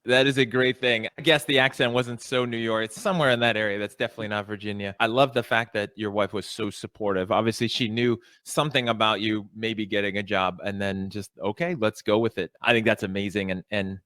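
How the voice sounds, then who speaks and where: A man's voice: lowish voice, fairly even intonation, brisk, hardly any pauses, a bit bright, no room sound. A man hosting an interview podcast, introducing his guest and asking questions in an upbeat, enthusiastic way. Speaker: podcast host.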